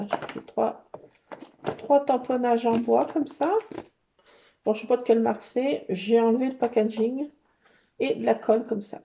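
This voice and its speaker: A middle-aged woman, rambling through a casual show-and-tell about her crafts with plenty of pauses. Her voice sits a little high yet sounds mellow and warm. A faint hiss runs under the recording. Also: gravelly. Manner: chatty, rambling, full of hesitations. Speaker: scrapbooking vlogger.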